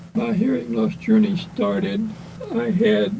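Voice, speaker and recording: Speaking at a very slow pace, a man with a high pitch and ordinary pitch variation is heard over noticeable background noise and audible room echo. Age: 80s+. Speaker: cochlear implant user sharing experiences. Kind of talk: interview.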